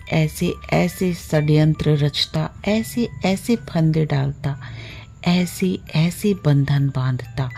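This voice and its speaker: A woman narrating a literary short story in a measured, expressive storytelling manner, drawing out her phrases. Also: low-pitched, creaky. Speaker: audiobook narrator.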